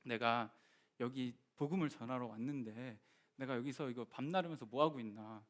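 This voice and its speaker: A young man in his twenties preaching a sermon, telling a personal story in an animated, conversational way and addressing the congregation directly. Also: medium pitch, normal speed. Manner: animated storytelling, voice rising and dropping for emphasis.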